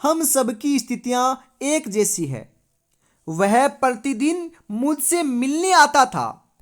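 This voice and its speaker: A woman's voice: high voice, expressive, slow pace. A woman teacher from India running an exam-prep quiz lesson, reading out multiple-choice options and confirming each answer with stock phrases. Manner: reads options aloud, then confirms with repeated catchphrases.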